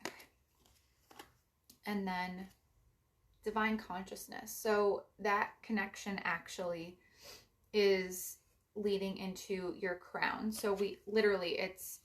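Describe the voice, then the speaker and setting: A young woman with a raspy voice talks through a spiritual card reading in a loose, meandering way. She offers gentle advice and uses a lot of fillers as she goes. Her pitch sits in an ordinary middle range. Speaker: psychic card reader.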